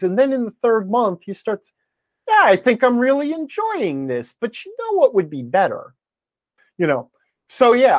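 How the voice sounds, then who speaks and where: Male podcast guest, voice a touch high, dry recording. Blunt, emphatic, opinionated conversational delivery. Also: dry recording. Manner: emphatic, blunt, acts out imagined remarks. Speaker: podcast guest, game blogger and game master.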